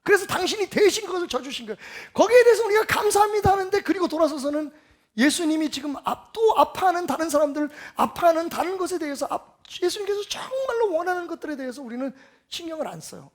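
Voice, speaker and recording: A man giving a Sunday sermon as pastor, emphatic and full of rhetorical questions, swinging between loud and soft. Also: very high-pitched, expressive, quick pace.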